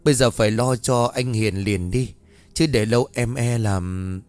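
A man's voice: medium pitch, unhurried, a little mellow, no echo, soft background music, lightly acted. A man voicing a village woman friend who reassures and hesitantly offers help. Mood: reassuring. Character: helpful village woman friend, hushed and calming.

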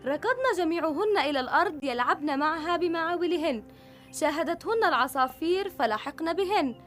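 A woman narrating a children's story in a warm, expressive storytelling voice. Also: high voice, fairly quick, soft background music.

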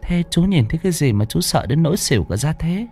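A man voicing a curious young wife asking a gentle question. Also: on the high side, big pitch swings, quick pace, breathy edge, faint music behind, pitched above the performer's own voice, exaggerated voice.

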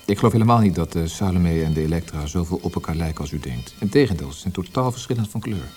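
An actor playing a proud, fretful poet in a radio drama, speaking in an earnest, precise, grumbling way. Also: male voice, low-pitched, animated, fast, darkish tone, soft background music. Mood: firmly objecting. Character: proud, fretful, melancholy male poet and librettist.

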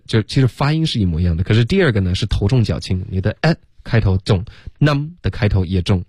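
Low, mellow-voiced radio English teacher. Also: male voice, husky, no echo, studio quality. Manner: explains patiently, drills sounds slowly, mixes English into Chinese. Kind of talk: radio language lesson. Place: radio studio. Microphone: studio mic.

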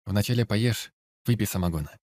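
A man voicing a young woman who coaxes her partner to eat, soft-spoken and a little evasive. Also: lowish voice, brisk, dry recording, clean studio sound, natural voice. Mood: coaxing. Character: young woman, caring and secretive.

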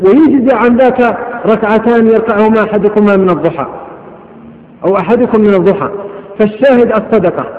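A man preaching a sermon, fervent and rapid, reciting verse and quotations. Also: sits high. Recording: echoey hall, tinny lo-fi recording.

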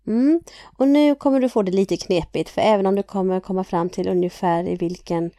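A woman's voice: mid-range voice, dark tone, no echo, studio quality. A woman from Sweden co-hosting a podcast, chatting and teasing her co-host as she sets up a guessing game.

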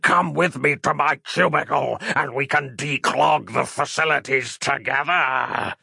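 A man voicing a leering male dream demon with a monstrous head, speaking slowly in a gravelly, husky voice. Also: medium pitch, sharp tone, no echo, studio quality, full character voice. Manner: slow, leering, hissing.

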